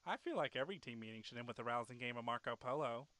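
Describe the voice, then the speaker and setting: A man's voice: medium pitch, animated, rapid-fire, very noisy, close to an everyday voice. A man playing an understated, reasonable soldier teammate in a cartoon. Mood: measured.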